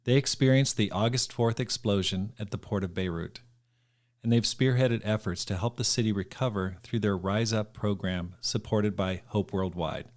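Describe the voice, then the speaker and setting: A male podcast host with a fairly low voice and an upbeat, encouraging delivery. He introduces his guests warmly and leads the interview with clear questions. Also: moderate pace.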